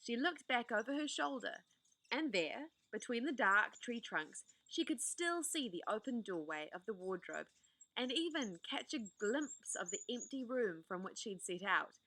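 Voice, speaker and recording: A woman reading a children's novel aloud, expressive, with the odd small slip. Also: a little high, a little slow, no room sound, poor audio. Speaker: storybook reader.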